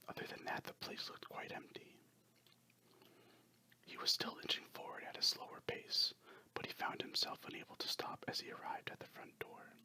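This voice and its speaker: Someone narrating a story in a breathy, unvoiced ASMR whisper, hushed and scripted.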